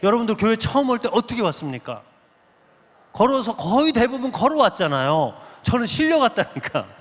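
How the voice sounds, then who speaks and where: High, lively male testimony speaker. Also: fairly quick. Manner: lively storyteller who acts out quoted voices and asks the audience questions. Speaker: guest speaker giving a testimony. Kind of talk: animated testimony talk to a congregation. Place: large church sanctuary. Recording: long reverb of a big sanctuary.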